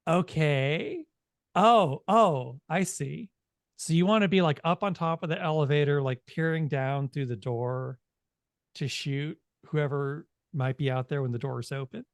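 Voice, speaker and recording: Slow, creaky-voiced man running a game. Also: on the high side, no echo, clean studio sound. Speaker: game master. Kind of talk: narrating a tabletop game, casual.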